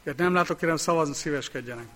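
A man chairing a local council meeting, calling items and announcing vote results in a brisk, procedural way. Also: on the high side, a bit bright.

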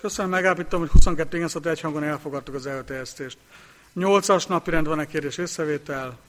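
Male council chair, slightly high voice, brisk procedural delivery. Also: fairly bright tone, soft background music. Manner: brisk procedural, repetitive vote announcements. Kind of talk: formal council meeting chairing.

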